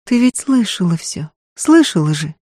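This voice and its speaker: Brief: quiet, restrained young woman singer, resolute, voiced by a woman narrator, dry close sound. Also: lowish voice, big pitch swings, moderate pace, breathy edge, dry recording. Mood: soft resolute.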